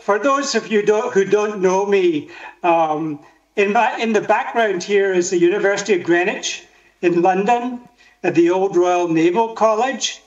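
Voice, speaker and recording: Older scottish highlander on a video call, high pitched, muffled audio, keeps asking the room questions. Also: male voice, a little slow, echoey room. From Scotland. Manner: interactive, asks the audience questions. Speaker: keynote speaker. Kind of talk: conference keynote over video link.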